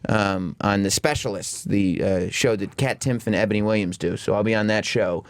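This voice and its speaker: A man's voice: fairly low pitch, normal speed, dry recording. A man in his thirties co-hosting a radio show, chatting casually with plenty of fillers. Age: 30s. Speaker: radio co-host. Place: radio studio.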